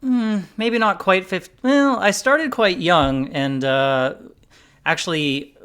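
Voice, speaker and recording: A man's voice: sits high, takes it slowly, clear, resonant tone. Easygoing man chatting about investing. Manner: relaxed, rambling, lots of "like" and "you know". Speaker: investing YouTuber host. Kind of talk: casual podcast conversation.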